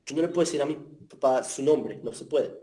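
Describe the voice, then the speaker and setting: A man's voice: mid-range voice, a little fast, dark tone. A man teaching a class over a video call, patiently explaining and often checking in with his listeners. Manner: patient, explanatory, frequent tag questions. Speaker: teacher of Jewish philosophy. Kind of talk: online class answering questions.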